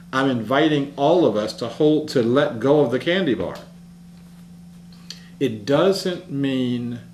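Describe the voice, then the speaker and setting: A man delivers an earnest, reflective public talk, easing into stories as he builds his point. His voice sits at an ordinary middle pitch. The room around him rings with echo, and a faint hum runs underneath. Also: a little mellow. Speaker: speaker.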